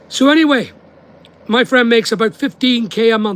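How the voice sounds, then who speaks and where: A man with a Northern Irish accent speaks at a moderate pace in a bright, sharp, animated tone. His pitch variation is ordinary. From Northern Ireland. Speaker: businessman and YouTuber. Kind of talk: live-stream chat answering viewer comments. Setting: live stream. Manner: animated, repetitive.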